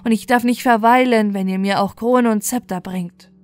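A woman's voice: fairly high pitch, steady tone, normal speed, a little mellow, lightly acted. Fairy-tale storybook role: humble young prince, remorseful, emphatic pleading, played by a woman, music behind. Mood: humble, troubled.

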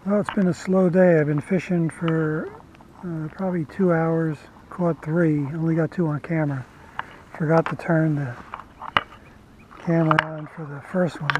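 A man's voice: fairly high pitch, normal speed, background noise. Chatty man fishing from a kayak. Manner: relaxed, chatty, talks to camera while fishing. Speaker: fishing vlogger. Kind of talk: casual fishing commentary. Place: kayak on a lake outdoors. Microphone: head-mounted action camera.

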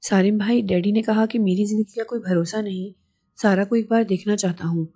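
A woman's voice: mid-range voice, steady tone, fairly quick, mellow, husky. A woman voicing an anxious younger brother on a phone call, with pleading, earnest delivery.

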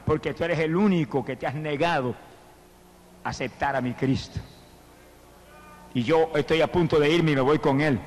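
A man's voice: a little high, normal speed, long pauses, long reverb tail, slight background noise, close to an everyday voice. A preacher acting out a dying mother who says tender, solemn farewells to her children.

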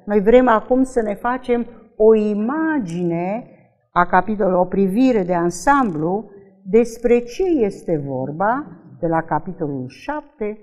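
A woman leading a Bible study lesson, reading verses aloud slowly and with emphasis, and quizzing her group with frequent questions. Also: mid-range voice, a little mellow, muffled recording. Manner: slow, emphatic reading of scripture.

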